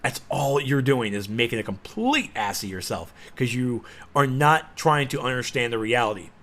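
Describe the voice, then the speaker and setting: A man giving a sarcastic, exasperated rant as a gaming commentator, with sudden loud outbursts. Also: mid-range voice, animated, normal speed. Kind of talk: ranting video commentary.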